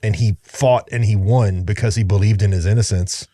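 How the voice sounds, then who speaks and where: A man's voice: fairly low pitch, fairly even intonation, moderate pace, mellow, dry recording. A man co-hosting a podcast, giving blunt, emphatic opinions in casual political chat. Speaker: podcast co-host.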